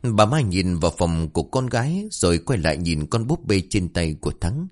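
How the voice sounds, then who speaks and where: A man narrating a horror story dramatically, swinging between tense and hushed delivery. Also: low voice, big pitch swings, moderate pace.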